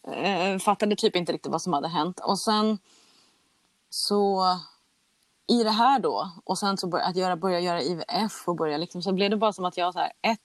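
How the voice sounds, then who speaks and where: Low-voiced woman telling her story candidly. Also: no room sound. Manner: candid, chatty, acts out quoted exchanges. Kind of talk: casual personal storytelling.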